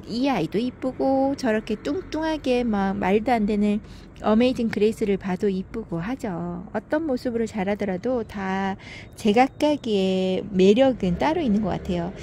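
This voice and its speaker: Mellow-voiced woman chatting over her plants. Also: mid-range voice, normal speed, a little hiss or hum. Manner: fond, chatty, fussing over plants with little sighs. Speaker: succulent gardening vlogger. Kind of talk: casual narration while filming plants. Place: home veranda.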